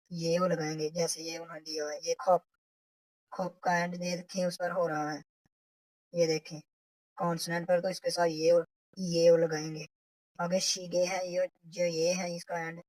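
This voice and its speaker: A woman's voice: on the low side, darkish tone, dry recording, rough recording. A woman, teaching a recorded language lesson from a textbook. She explains step by step and repeats the example phrases.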